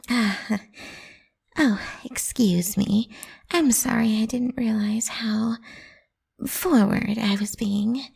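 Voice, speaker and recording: A woman's voice: on the high side, extremely slow, long pauses, full character voice. Woman playing a whispery, possessive lamia girl. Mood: sheepish. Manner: coaxing, teasing, soft and breathy. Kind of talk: whispered ASMR roleplay.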